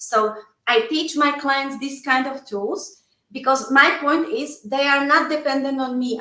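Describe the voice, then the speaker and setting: A woman uses a raised, projected voice with a high pitch and a bright, sharp tone. Her pitch varies in an ordinary way. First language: Slovak. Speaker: life coach. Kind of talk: interview.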